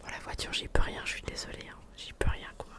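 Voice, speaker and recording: A woman whispering through a live ASMR stream, chatting to viewers in relaxed asides into a filtered studio microphone at home. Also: fast talker. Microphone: studio microphone with noise filters.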